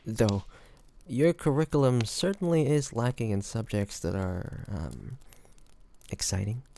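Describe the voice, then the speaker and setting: A man playing a flirty, teasing bodyguard to a noble in an intimate fantasy audio roleplay, with playful, halting delivery. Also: medium pitch, lively intonation, creaky, dark tone. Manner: playful, teasing, halting pauses, often chuckling.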